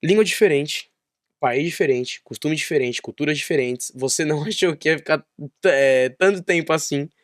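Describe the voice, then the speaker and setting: A man's voice: fairly high pitch, moderate pace, no echo, studio quality. A man hosts a casual podcast interview, encouraging his guest and finishing her sentences. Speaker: podcast host.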